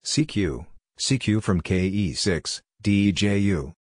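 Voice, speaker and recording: A man with a very low voice reads amateur radio phrases slowly, one clipped chunk at a time. The recording is dry and close, with no room sound around him. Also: no echo. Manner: measured, clipped reading of radio jargon. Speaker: Morse code practice instructor.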